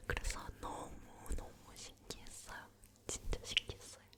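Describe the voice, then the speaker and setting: A woman leaning in to whisper close to the mic, telling personal stories in a hushed ASMR style, gently repeating words. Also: measured pace. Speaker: ASMR host.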